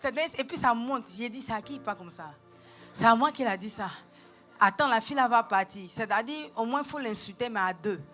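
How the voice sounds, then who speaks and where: Woman, Gabonese French accent, pastor, sermon, high voice, faint music behind. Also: a little fast. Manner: animated, acts out quotes, switches between calm and shouting. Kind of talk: sermon with personal storytelling. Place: church.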